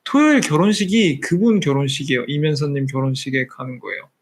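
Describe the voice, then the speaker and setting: 편하게 수다 떠는 약간 높은 목소리의 30세 남자. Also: male voice, fairly high pitch, fast talker. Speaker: live-stream host. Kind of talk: casual live-stream chat with viewers.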